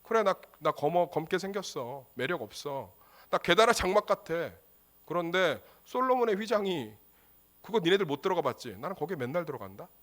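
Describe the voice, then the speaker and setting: Brief: a boastful, sunburnt young woman in love, put on by a male preacher, high and animated. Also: fairly quick. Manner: boastful, defiant.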